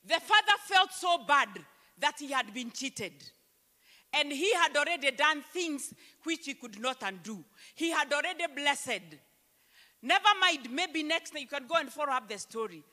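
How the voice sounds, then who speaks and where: A Kenyan woman pastor preaching a sermon into a handheld mic on a church stage, emphatic and slowing down to read scripture aloud. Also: sits high, animated, pushed and bright. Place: church stage, large hall. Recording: long church hall reverb.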